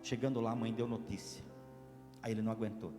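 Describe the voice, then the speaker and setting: A man, a priest giving a sermon, telling a story dramatically, swinging between loud preaching and hushed narration. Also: fairly low pitch, level tone, quick pace, big-room sound, music in the background. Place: church.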